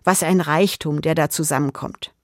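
Woman w a lowish voice, calm thoughtful radio devotion, dry close sound. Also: normal speed, no room sound. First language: German. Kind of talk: scripted spiritual reflection.

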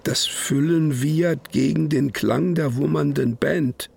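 A man playing a brooding poetic narrator in a literary radio drama, declaiming in deliberate short phrases. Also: a little high, creaky, a little mellow, slight background noise. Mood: wry, observing. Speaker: actor reciting poetry.

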